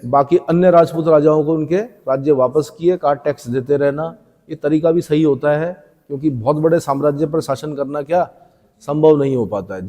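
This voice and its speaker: A man's voice: fairly high pitch, warm tone. A male teacher giving an exam-prep lecture. He asks questions and answers them himself, and he repeats the key terms. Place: coaching classroom. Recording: echoey room with long reverb.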